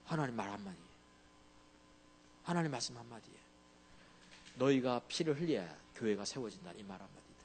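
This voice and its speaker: Lively conversational male pastor preaching. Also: medium pitch, fairly quick, pauses often, slight background noise. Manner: conversational, often asks the congregation to agree. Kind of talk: sermon.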